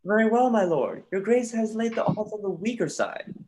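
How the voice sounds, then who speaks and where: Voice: mid-range voice, animated, moderate pace, a little mellow, close to an everyday voice. An actor playing a brooding, earnest young prince with a defiant streak in a livestreamed reading of Shakespearean verse. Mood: courteous, wry. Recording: livestreamed remote call.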